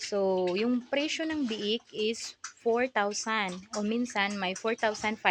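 A woman speaks at a very slow pace with a fairly high pitch. Her pitch varies in an ordinary way over a quiet background. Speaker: vlogger and backyard pig raiser. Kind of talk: casual vlog talk. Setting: outdoors beside pig pen.

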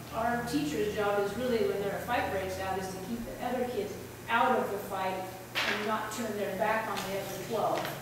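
Strong room echo and noticeable background noise surround a voice speaking at a moderate pace. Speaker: school administrator at board meeting. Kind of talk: board meeting presentation. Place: meeting room. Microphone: camera far.

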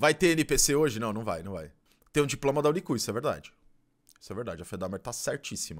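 This speaker talks at a very fast pace with vocal fry, very wide pitch swings and big swings in loudness, against a quiet background. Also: man. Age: 30s. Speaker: music streamer. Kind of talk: casual live-stream chat. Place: home room. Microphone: studio mic.

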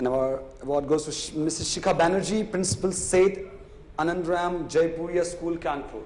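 At a moderate pace, a man speaks in a high voice with ordinary pitch variation. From India. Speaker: event emcee; event host. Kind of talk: announcements. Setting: stage with audience. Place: hall. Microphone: podium.

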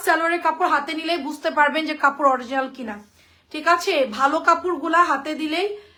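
A woman speaks in a raised, projected voice with a bright, sharp tone. Her pitch is extremely high. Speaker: online clothing seller. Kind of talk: live sales pitch.

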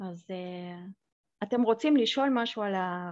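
A woman with a fairly high pitch and lively intonation, dry with no echo, over a quiet background. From Uzbekistan. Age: 40s. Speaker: graduate student presenting her internship; guest. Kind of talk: presentation on a video call. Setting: video call. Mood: warm, personal. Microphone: headset.

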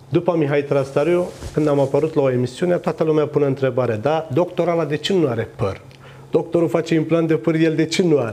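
A man speaks at a fairly quick pace. His loudness is very even, and his pitch varies in an ordinary way. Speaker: guest. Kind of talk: interview answer. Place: studio. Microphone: lapel.

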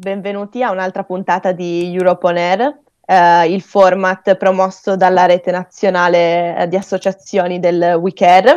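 A woman's medium-pitched, monotone and flat delivery at a fairly slow pace, dry with no echo, over a quiet background. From Trieste; Italy. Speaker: youth association host. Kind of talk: interview; interview hosting, casual. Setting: video call. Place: home room. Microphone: video call.

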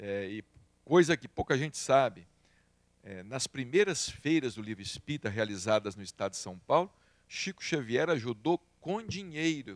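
Against a quiet background, a man speaks at a moderate pace with very wide pitch swings, the sound dry with no echo. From Brazil, Minas Gerais (Uberaba); Minas Gerais, Brazil. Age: 50s. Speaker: author and spiritist medium; interviewee. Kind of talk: interview. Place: studio. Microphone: handheld.

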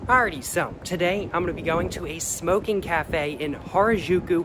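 A man speaks at a moderate pace with ordinary pitch variation. Noticeable background noise can be heard. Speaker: vlogger. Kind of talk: casual vlog chat. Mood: excited, upbeat. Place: street. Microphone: phone near.

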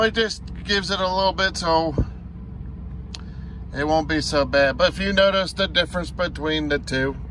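Noticeable background noise beneath a man's dry-sounding voice with no echo. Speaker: truck driver vlogger. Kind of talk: casual vlog chat. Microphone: phone near.

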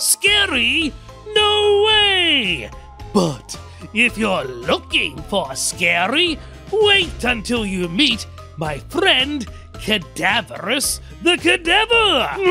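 A cartoonish character voice speaks at a very slow pace. Clear music plays in the background. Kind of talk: children's puppet show. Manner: cheerful, warm, eager.

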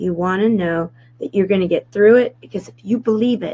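Pitch shifts in an ordinary way as a woman speaks. Her pace is moderate. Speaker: charity program host. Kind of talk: livestream announcement talk. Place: home room. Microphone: webcam.

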